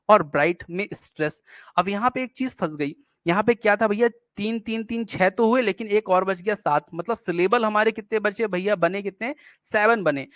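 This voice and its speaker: High-voiced teacher explaining poetic meter. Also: male voice, fairly bright tone, no room sound. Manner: explains step by step, asks and answers his own questions; reads poetry lines slowly, syllable by syllable. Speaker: English literature teacher. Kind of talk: exam-prep lesson on poetic meter.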